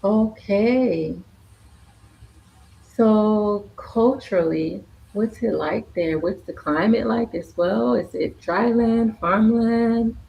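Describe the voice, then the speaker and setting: A woman voicing a signed introduction and interview as interpreter, speaking slowly in measured phrases. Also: medium pitch, creaky, lo-fi sound. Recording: echoey room with faint ambience.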